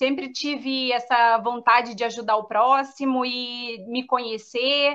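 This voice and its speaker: Speaking with ordinary pitch variation, a woman has a high voice. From Brazil, Minas Gerais. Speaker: mother in a heritage-language group, psychologist. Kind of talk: personal life story in a live interview. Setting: online live stream.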